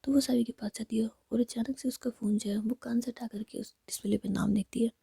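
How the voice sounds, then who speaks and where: A woman's voice: a little high, fairly even intonation, brisk, creaky, dark tone, slightly rough, dry recording, clean studio sound. A young woman whispering a chatty retelling of a romance drama, mixing in English words. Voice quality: whispering throughout. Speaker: storyteller.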